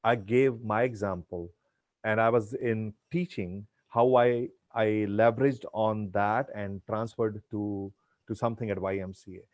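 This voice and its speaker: A man's voice: on the low side, steady tone, a little slow, a little mellow, dry recording, dull audio. A middle-aged man with an Indian accent and Punjabi as his first language, earnestly answering audience questions over a video call and often repeating himself. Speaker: guest speaker.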